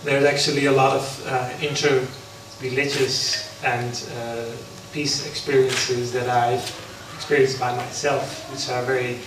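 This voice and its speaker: Slow, halting monk in an echoey hall. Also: male voice, medium pitch, level tone. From Netherlands. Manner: halting, many pauses and fillers. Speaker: Buddhist monk giving a talk. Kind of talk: unprepared talk at an interfaith forum. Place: large hall. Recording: echoey hall from far off, background noise.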